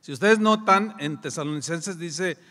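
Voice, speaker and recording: Animated Mexican pastor, high voice. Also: male voice, moderate pace. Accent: Mexican Spanish. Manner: animated storyteller, acts out dialogue. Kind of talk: sermon with storytelling. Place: church sanctuary. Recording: long church hall reverb.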